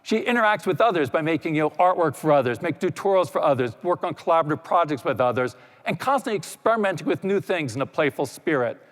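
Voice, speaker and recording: A man speaking at a conference in a lecture hall, his voice a touch higher than most men's. He explains things in a relaxed, easygoing way, dropping in frequent "you know"s. A long reverb hangs on his words. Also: fast. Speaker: panel speaker. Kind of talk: conference talk.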